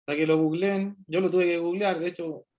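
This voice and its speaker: Chilean teacher explaining in an online class. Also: male voice, sits high, fairly even intonation, a little fast, a little mellow, highs cut off. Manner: explanatory, asks rhetorical questions, often says "¿cierto?". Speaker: philosophy teacher. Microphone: video call.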